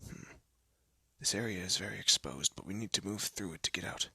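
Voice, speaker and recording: A man playing a haughty but secretly soft young elf prince in a scripted roleplay audio drama, with a pompous, formal manner and a breathy, often hushed voice. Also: deep voice, brisk, no room sound, heavily acted. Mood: urgent, curt. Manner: pompous, formal, flustered stammering.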